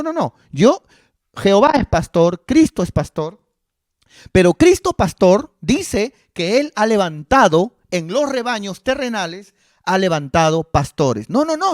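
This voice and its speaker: A man's voice: high voice, dry recording, clean studio sound. A male pastor preaching a sermon, building his points with rhetorical questions and acted quotes.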